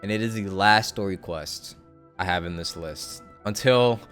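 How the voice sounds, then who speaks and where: A man's voice: sits low, measured pace, fairly bright tone, faint music behind. A young man casually commenting on a game story during a live stream, rambling with hedges and the odd swear word.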